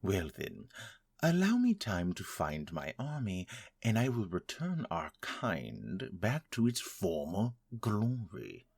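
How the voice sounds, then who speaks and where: A man playing a haughty, vengeful vampire lord in an audio drama, husky and pompous. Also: sits low, wildly swooping pitch, a little mellow, dry recording, clean studio sound, heavily acted. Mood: indignant. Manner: pompous, imperious, slow and deliberate. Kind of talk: scripted audio drama acting.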